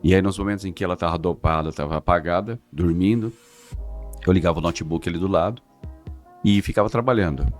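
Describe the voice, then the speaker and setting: A middle-aged man, giving an earnest, halting religious testimony as a podcast guest. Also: deep voice. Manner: earnest, halting, restarts words.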